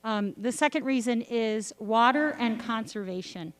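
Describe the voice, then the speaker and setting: Clear-voiced woman giving a campaign speech. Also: on the high side, a little slow, no echo. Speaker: candidate for town selectman. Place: arts center stage at a candidate forum.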